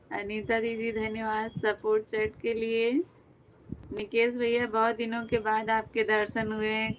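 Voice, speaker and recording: Young woman, casual live chat on her phone, slow, flat delivery. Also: fairly high pitch, a little hiss or hum, rough recording. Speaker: live stream host.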